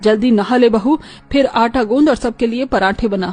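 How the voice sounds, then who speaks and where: A woman plays a strict traditional mother-in-law in an animated story. She speaks in a firm, scolding tone at a slightly raised pitch. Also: moderate pace, faint music behind, natural voice. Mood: stern scolding. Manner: scolding, stern.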